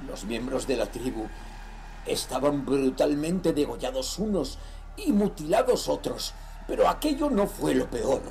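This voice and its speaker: An actor playing a greedy, ruthless nineteenth-century sea trader, reading his journal in a measured, solemn and theatrical way for a horror audio drama. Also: a little high, mellow, slight background noise. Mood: desolate, disturbed.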